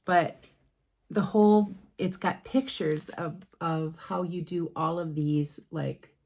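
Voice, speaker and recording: A woman's voice: on the low side, fairly even intonation, slow pace, darkish tone. A middle-aged woman chatting casually at home about her cross-stitch patterns, rambling with many ums and restarts. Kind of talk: casual show-and-tell chat.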